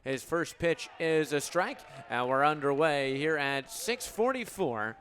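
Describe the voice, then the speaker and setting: An American man in his twenties calling live baseball play-by-play for radio in a crisp, descriptive announcer delivery. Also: on the high side, lively intonation, a little slow, fairly bright tone, a little hiss or hum. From Illinois, United States. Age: 20s.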